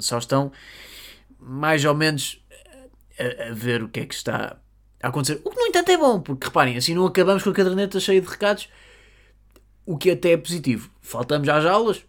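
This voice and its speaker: A podcast host with a European Portuguese accent who delivers a jokey comic monologue. The pitch is lively and moves up and down a lot, with a casual, chatty flow. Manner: animated, jokey storytelling. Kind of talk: comedic monologue.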